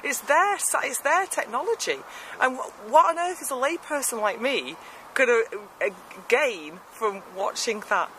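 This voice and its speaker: A woman's voice: fairly high pitch, lively intonation, unhurried, sharp tone, poor audio. A woman in her forties, answering questions candidly on a riverside footbridge into a handheld mic. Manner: candid, laughing, defensive. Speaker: interviewee. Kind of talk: street interview. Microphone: handheld mic held by interviewer. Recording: outdoor street noise.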